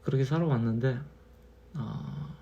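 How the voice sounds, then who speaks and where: A man in his thirties, a little tipsy from wine, musing slowly in a casual monologue and repeating his phrases. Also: medium pitch, warm tone, lo-fi sound. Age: 30s. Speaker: channel host.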